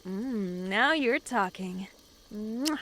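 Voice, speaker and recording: A woman's voice: medium pitch, animated, drawn-out words, a bit bright, a little hiss or hum. A woman playing a dryly teasing young woman new in town, in a naturalistic audio drama. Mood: playful.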